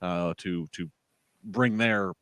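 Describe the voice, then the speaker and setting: A man's voice: deep voice, steady tone, slow, a bit bright, smooth, no room sound. A man hosting a casual wrestling podcast, rambling through a show recap with many fillers and restarts. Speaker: podcast host.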